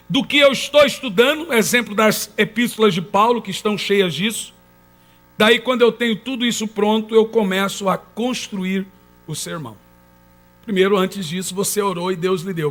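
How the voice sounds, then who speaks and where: A man's voice: sits high, pushed and bright. A man preaching a sermon to a congregation, emphatic and calling on the listeners to answer back. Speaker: pastor. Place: church in front of a congregation.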